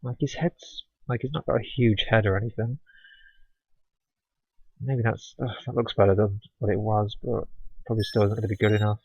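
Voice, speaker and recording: A man's voice: fairly low pitch, steady tone, moderate pace, creaky, darkish tone, breathy edge, no echo, lo-fi sound. A man giving casual, chatty commentary while streaming a game, with sarcastic asides.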